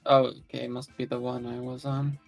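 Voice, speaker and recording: A man's voice: mid-range voice, little pitch movement, moderate pace, creaky, darkish tone, faint music behind. A man chiming in with offhand, mumbled remarks from across the room during a stream. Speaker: friend off-mic.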